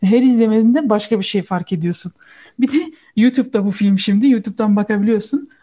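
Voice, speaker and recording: Mellow woman chatting casually. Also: medium pitch, fast. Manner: switches between Turkish and German mid-sentence. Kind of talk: casual chat, explaining a film.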